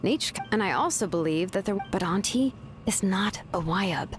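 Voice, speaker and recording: An actress playing a composed, frank young female expert in a video game, explaining in a measured, matter-of-fact way. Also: mid-range voice, animated, lightly acted. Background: clear music.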